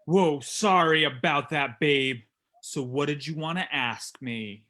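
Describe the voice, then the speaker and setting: A man's voice: on the high side, slow pace, bright, forceful tone. A man playing a brash, boastful pro wrestler in a staged promo reading, with cocky, taunting delivery. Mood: cocky, gloating.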